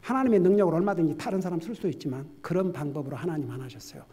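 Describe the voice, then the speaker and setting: Husky-voiced male pastor preaching in church, going from whisper-quiet to loud, keeps asking the congregation stuff. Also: fairly high pitch, lively intonation, racing. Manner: swings from hushed near-whisper to loud exhortation; asks the congregation questions directly. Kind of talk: sermon.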